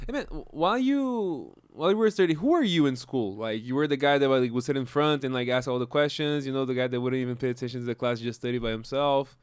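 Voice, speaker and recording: Fast, eager Brazilian podcast host, a man. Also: mid-range voice, clean tone, no room sound, studio quality. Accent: Brazilian Portuguese. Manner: enthusiastic, rambling questions with many likes and restarts. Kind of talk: podcast interview.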